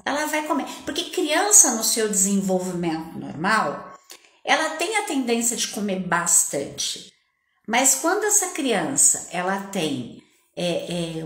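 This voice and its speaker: A woman's voice: on the high side, echoey room. A woman, a mother giving a live talk, who explains earnestly and speaks directly to her listeners.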